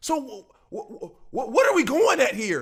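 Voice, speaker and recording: A man speaks in an animated tone with lively intonation at a fairly slow pace. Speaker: streamer reacting to a video. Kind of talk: reaction commentary, casual rant. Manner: animated, stammering repetitions; slurring words.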